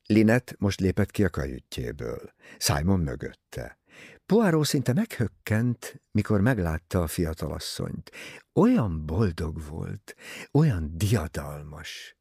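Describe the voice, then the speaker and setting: A man narrates an audiobook in a low, gravelly voice with a husky edge. His delivery moves widely in pitch, and the sound is dry and close. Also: very animated, warm tone, no echo. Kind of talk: scripted narration.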